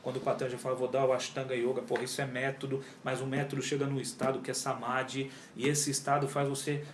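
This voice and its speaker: Medium-pitched and fast, the voice belongs to a yoga teacher from Brazil in his 40s, heard over slight background noise. He's being interviewed in an easygoing chat, narrating his story in a lively way, reenacting earlier conversations, and using plenty of slang. Faint ambience fills an echoey room.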